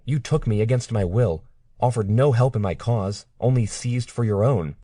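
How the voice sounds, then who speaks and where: A man's voice: lowish voice, normal speed, dark tone, breathy edge, dry recording, studio quality, voice pushed up. A man voicing a defiant, frightened young captive woman in an audiobook, speaking in an earnest, pleading way. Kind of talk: audiobook character reading.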